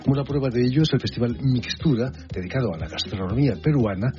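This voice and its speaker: A man hosting a radio interview, speaking in a polished, measured presenter manner. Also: medium pitch, expressive, darkish tone. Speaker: radio host. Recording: muffled broadcast audio with faint music.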